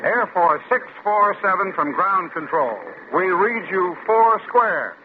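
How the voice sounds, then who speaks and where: An actor playing a brisk ground-control lieutenant in a 1950s radio drama. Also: male voice, sits high, expressive. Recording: tinny old radio broadcast, loud hiss.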